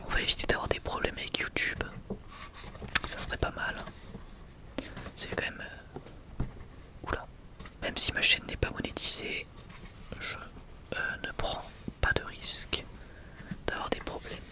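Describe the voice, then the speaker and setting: A person whispering softly and breathily in an informal, hesitant, unhurried ASMR showcase. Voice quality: soft, breathy unvoiced whisper. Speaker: ASMR video creator.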